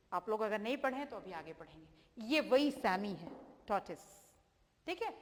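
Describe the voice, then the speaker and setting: A woman's voice: on the high side, long reverb tail. A woman teaching children, patiently repeating and spelling words out, checking in with them often. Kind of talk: children's vocabulary lesson.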